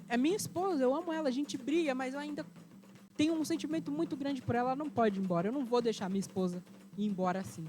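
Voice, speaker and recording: A woman's voice: fairly high pitch, fast talker, music in the background, lightly acted. A woman storyteller voicing a hot-tempered king pleading anxiously for help.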